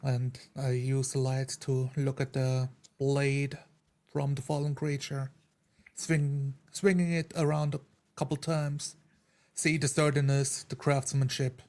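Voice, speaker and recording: A man's voice: mid-range voice, level tone, slow pace, a little mellow. A man playing a tabletop roleplaying game, describing what his character does.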